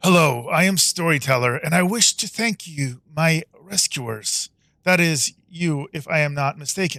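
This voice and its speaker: A man puts on a character voice, pitched fairly high, and talks at a moderate pace. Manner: calm.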